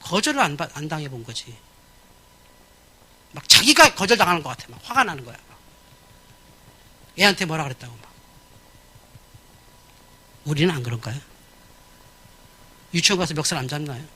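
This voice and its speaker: A man in his fifties, a pastor giving a church lecture in a blunt, animated way, often acting out other people's voices. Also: fairly high pitch, normal speed, long pauses, breathy edge. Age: 50s.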